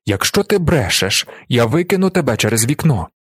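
A man voicing a brash, hulking former soldier who talks loud, bossy and mock-polite. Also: mid-range voice, big pitch swings, normal speed, husky, no echo, clean studio sound. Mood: shouting. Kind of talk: audiobook character voice.

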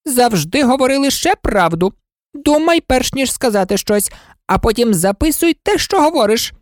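A woman voicing the Red Queen, an imperious and impatient queen who scolds and commands, in a storybook reading with a high, loud voice. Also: sing-song, normal speed, dry recording, clean studio sound. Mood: lecturing. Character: bossy, imperious older queen.

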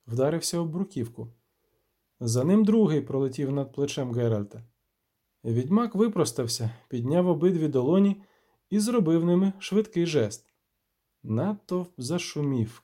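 Dark-toned male storyteller. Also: on the high side. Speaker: audiobook narrator. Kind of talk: scripted fantasy narration.

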